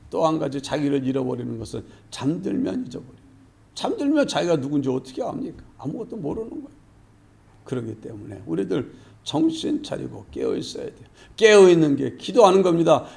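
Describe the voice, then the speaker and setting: A man's voice: sits high, vocal fry, darkish tone. A male pastor preaching a sermon, emphatic and repeating key phrases, often acting out quoted dialogue.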